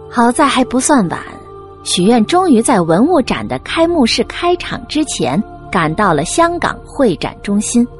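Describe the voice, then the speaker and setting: A woman reading a scripted preview of the next audiobook episode. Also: a little high. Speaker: preview narrator.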